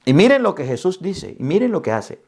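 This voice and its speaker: Man, priest, lively storytelling sermon, fairly high voice. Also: fairly quick, husky. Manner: animated storyteller, acts out quoted dialogue. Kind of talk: storytelling homily.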